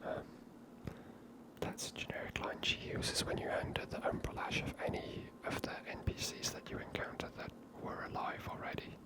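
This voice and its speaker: Asmr gamer whispering casual play-by-play, hushed n unhurried. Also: poor audio. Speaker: gaming ASMR host. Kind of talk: whispered ASMR game commentary.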